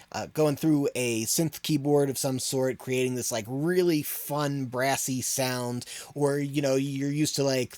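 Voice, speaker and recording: A man's voice: on the high side, no echo. A man hosting an audio production tutorial in an informal, conversational way. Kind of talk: casual spoken tutorial.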